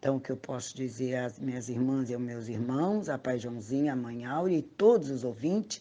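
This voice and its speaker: Hardly any pauses break up this moderately paced speech. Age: 60s. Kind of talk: testimony.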